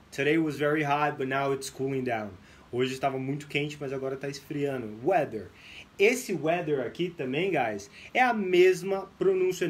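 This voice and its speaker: On a live stream, a young Brazilian teacher explains English with plenty of energy, sprinkling English phrases throughout. His pitch is on the high side.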